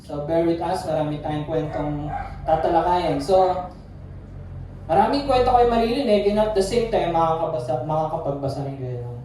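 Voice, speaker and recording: A woman's voice: deep voice, normal speed, warm tone, slight background noise. Filipino woman preaching in an echoey hall. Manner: chatty, playful, mixing English in. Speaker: youth speaker. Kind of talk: casual youth sermon. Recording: echoey hall, distant mic.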